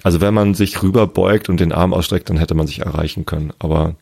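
A hoarse man chatting casually about a football match, full of fillers and restarts. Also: deep voice, fairly even intonation, fast talker, darkish tone, dry recording. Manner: hesitant, many fillers and restarts. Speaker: football fan guest. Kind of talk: casual conversation.

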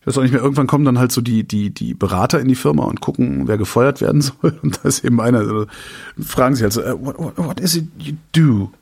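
A man co-hosting a casual podcast chat, animated and laughing often, reading out the weather with playful emphasis. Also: mid-range voice, fast talker, vocal fry, slightly rough. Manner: animated, laughs often, acts out film quotes in English. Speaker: podcast co-host.

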